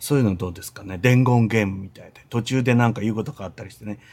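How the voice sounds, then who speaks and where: Very clean recording of a man, background silent. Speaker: live streamer. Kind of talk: casual live-stream chat reading viewer comments. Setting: live stream. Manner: animated, laughing often.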